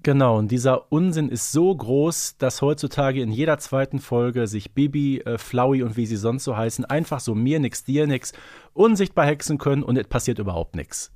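A man's voice: mid-range voice, moderate pace, darkish tone, dry recording, studio quality. A man co-hosting a podcast, explaining things in casual analytical chat with emphatic turns and tag questions. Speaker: podcast co-host.

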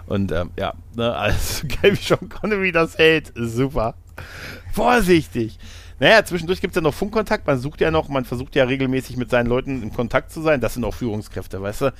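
A man's voice: mid-range voice, animated, brisk, few pauses, fairly bright tone. Chatty man retelling a film scene. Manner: rambling retelling, frequent tag questions and laughs. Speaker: podcast host reviewing a film. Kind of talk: casual film discussion.

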